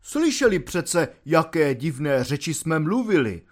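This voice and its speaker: Audiobook role: man playing a bossy, self-important sergeant, lively and loud when barking orders. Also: on the high side. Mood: solemn. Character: pompous stern male gendarme sergeant.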